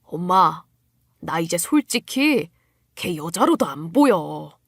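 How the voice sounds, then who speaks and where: A grumbling, callous husband played by a woman narrator in an audio story drama. He sounds dismissive, dropped lower than the storyteller, in a dry close recording. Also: very animated, takes it slowly, gravelly, husky, dry recording, full character voice. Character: callous, grumbling adult husband, mother's boy.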